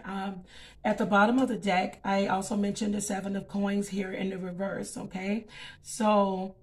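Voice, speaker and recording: Scratchy-voiced woman doing a tarot reading. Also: mid-range voice. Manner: chatty, frequent um and okay. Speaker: tarot reader. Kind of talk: casual tarot reading to camera.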